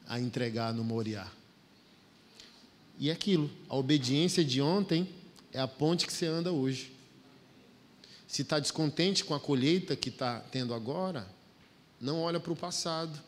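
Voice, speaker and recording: A middle-aged man from Brazil preaching a sermon in a folksy, emphatic way, acting out bits of dialogue. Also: fairly high pitch. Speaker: pastor. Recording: long hall reverb.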